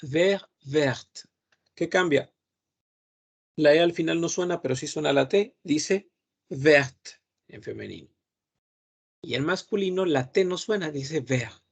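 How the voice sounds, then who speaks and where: With a fairly high, gravelly, husky voice, this man speaks expressively at normal speed and pauses often. He teaches grammar online as a patient French teacher, repeating words several times and humming while he thinks.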